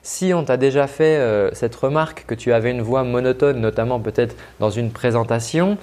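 A male vocal coach gives a spoken lesson full of frequent hesitations, demonstrating both flat and lively ways of speaking. His voice is medium-pitched at a moderate pace.

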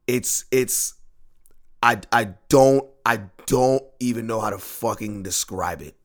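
A hoarse man who has lost his voice, hosting a sports podcast alone and ranting in frustration with plenty of swearing and repetition. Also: lowish voice, takes it slowly. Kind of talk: solo ranting sports talk.

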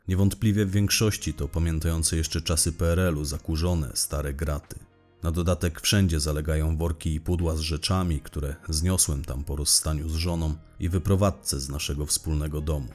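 A man's voice: a bass voice, darkish tone. A man playing a weary, irritable middle-aged divorced investigator confessing in formal, wordy sentences in an audio drama. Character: weary, irritable divorced male investigator talking to his psychologist. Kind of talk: scripted audio drama monologue.

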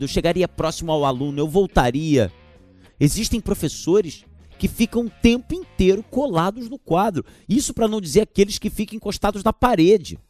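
Lively and gesturing while he speaks, a teacher trainer hosts a teaching podcast, poking fun at teachers' verbal tics. His voice sits high, captured on a podcast microphone with no room sound.

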